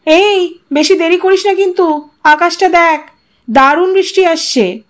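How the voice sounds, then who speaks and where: A woman's voice: very high-pitched, unhurried, pitched above the performer's own voice. A woman storyteller voicing a stern, worried mother who nags her teenage son sharply. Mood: calling out, worried. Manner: scolding, sharp, loud.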